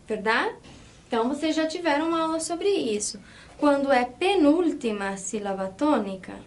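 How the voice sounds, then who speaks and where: A woman with a Brazilian Portuguese accent, teaching an online Spanish lesson and explaining step by step, counting syllables aloud. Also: high voice.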